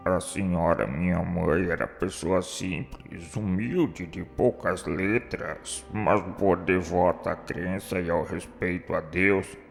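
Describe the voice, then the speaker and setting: An actor playing a remorseful, educated suicide's spirit in a radio drama, speaking solemn, formal, declamatory lines. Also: male voice, low voice, fairly even intonation, takes it slowly, creaky, few pauses, full character voice. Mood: wistful, reverent. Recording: long hall reverb, music underneath.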